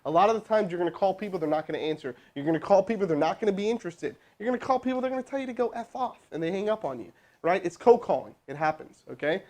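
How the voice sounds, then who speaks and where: A sales trainer hosts a live stream from an indoor room with his crew around, coaching and cold calling in a hyped, pumped-up way. His voice is pitched a little high, and he speaks in rapid-fire bursts with barely any pauses. He's energetic and casual, tossing in chatty asides.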